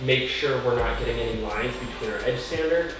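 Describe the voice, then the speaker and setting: A man's voice: medium pitch, fairly quick. A young man walking through a home renovation step by step in an upbeat, explaining way, recorded in an empty room under renovation. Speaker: DIY renovator. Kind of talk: DIY how-to walkthrough. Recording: echoey bare room with music.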